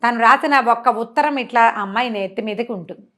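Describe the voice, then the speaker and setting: A woman storyteller retelling a story in a conversational, expressive way, mixing in some English words. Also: a little high, fairly quick. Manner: expressive, acts out characters' dialogue.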